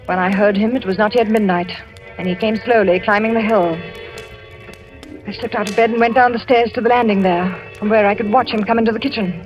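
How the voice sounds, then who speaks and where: A young actress playing a frightened wife who narrates her story in a tense, hushed way, in 1940s radio acting. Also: mid-range voice, fairly even intonation, brisk, close to an everyday voice. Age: young adult. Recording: lo-fi vintage radio with music.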